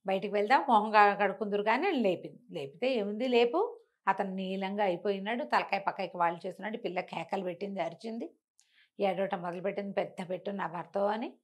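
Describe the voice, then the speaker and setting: A woman telling a folk tale in a conversational, expressive storyteller's way, repeating phrases for emphasis. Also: medium pitch, fast.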